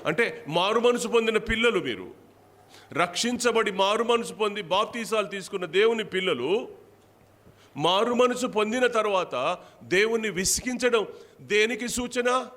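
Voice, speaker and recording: A man's voice: high voice, lively intonation, moderate pace, pauses often, a bit bright. A man preaching a sermon as pastor, firing repeated rhetorical questions at his congregation. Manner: repeats phrases for emphasis. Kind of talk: Telugu church sermon.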